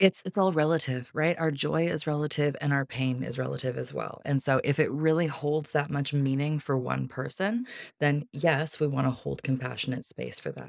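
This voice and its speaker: A woman with a very deep, low pitch speaks at a moderate pace with fairly even intonation and hardly any pauses. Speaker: wellness author and coach. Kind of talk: interview. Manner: laughs often.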